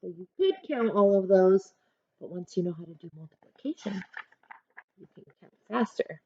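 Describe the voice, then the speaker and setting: A woman teacher reading a picture book aloud to children, expressive and instructive, breaking off to speak directly to her young listeners. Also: medium pitch, moderate pace, no echo, highs cut off.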